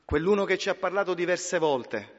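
A man preaching a sermon, swinging between hushed low passages and loud emphatic rising appeals, with repetitive rhetorical build-ups. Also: expressive, moderate pace. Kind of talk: Pentecostal-style sermon. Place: church hall. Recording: dull reverberant church hall recording.

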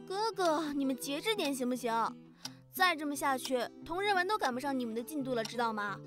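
High-voiced, bossy little sister played by a woman. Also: expressive, fairly quick. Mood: exasperated. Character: bossy, caring young younger sister. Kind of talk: fan audio drama acting. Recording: music behind the voice.

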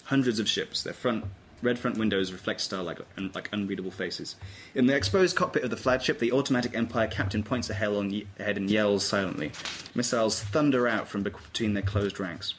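A man's voice: on the low side, a little fast, rough recording. A man giving scripted narration, reading stage directions at a table read. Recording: faint room noise.

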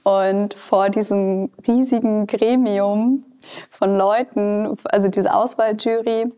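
A woman in her twenties answering interview questions in a relaxed, self-ironic way in a studio. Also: mid-range voice, takes it slowly, clean tone. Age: 20s. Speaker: scholarship holder. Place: studio against a colored backdrop. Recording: guitar music underneath.

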